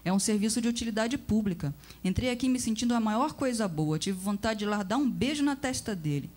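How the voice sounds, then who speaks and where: A woman's voice: fairly high pitch, a little fast. Woman doing a gossipy, cheeky young daughter. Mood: gossipy cheerful. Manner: lively, gossipy. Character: chatty, cheeky grown daughter.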